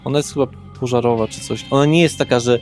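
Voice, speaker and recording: A man's voice: medium pitch, fairly even intonation, fast, a little mellow. Explanatory man running a game over guitar music. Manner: explanatory, conversational. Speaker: game master. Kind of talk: narrating a tabletop roleplaying session.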